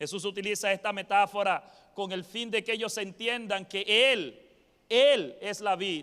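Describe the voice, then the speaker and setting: A man speaks at a fairly slow pace with a high pitch. His tone is bright and sharp. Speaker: preacher. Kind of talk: sermon.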